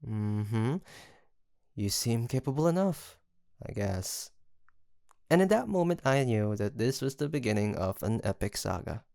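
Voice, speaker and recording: A sweet young male roommate, acted by a man in an intimate audio roleplay. His voice has a creaky edge and swings with lively pitch as he teases his best friend. The sound is dry and close. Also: a little slow, no echo. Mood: playful, mock-grand. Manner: teasing, chuckling, mock-grandiose storyteller.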